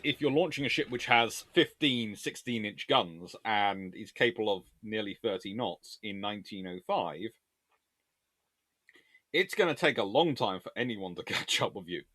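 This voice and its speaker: A man's voice: on the low side, animated, moderate pace, fairly bright tone, no room sound. Man chatting, dry close recording. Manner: rambling, discursive, thinking aloud. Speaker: host, history lecturer. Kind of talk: live stream chat, answering viewer questions.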